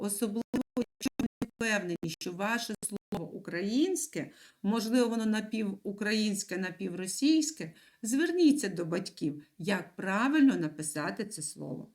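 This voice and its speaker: A woman teacher giving a video lesson to young children, stressing words slowly and clearly with a sing-song lilt. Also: medium pitch, a little mellow. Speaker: primary school teacher.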